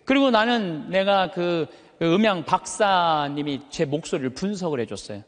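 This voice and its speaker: High, full-voiced male priest in a reverberant hall. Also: expressive, normal speed. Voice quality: high but thick, full voice that carries. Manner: emphatic, uses rhetorical questions and stretched words for effect. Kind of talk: animated motivational sermon to a live audience. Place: large hall, speaking to an audience.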